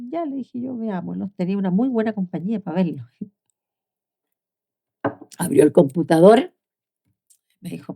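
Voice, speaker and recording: An older woman speaks as an interview guest. She tells heartfelt family stories with a slightly gravelly edge. Her voice often sinks to a soft hush before rising again. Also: fairly low pitch. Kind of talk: conversational interview.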